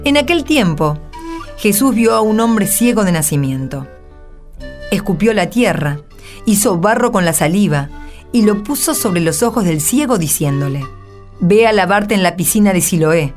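A woman's voice: medium pitch, lively intonation, moderate pace, a little mellow. A woman narrating a dramatized radio story from a script. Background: music.

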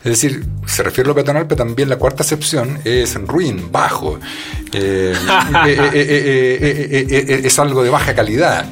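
A man's voice: medium pitch, moderate pace, fairly bright tone, faint music behind. A man with a Chilean accent, a guest in a casual conversation, who talks hesitantly with many fillers and restarts.

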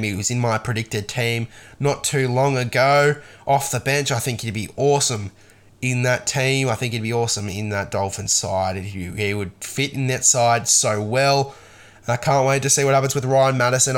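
A man with an Australian accent hosting a solo sports news podcast, talking casually and with strong opinions, his voice nasal and congested from a cold. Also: medium pitch. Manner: casual, opinionated, many ums and restarts. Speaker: podcast host.

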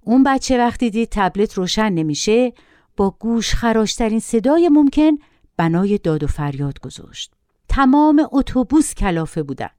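Expressive middle-aged woman storyteller. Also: fairly high pitch, no echo, studio quality. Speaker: narrator. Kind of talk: first-person story narration.

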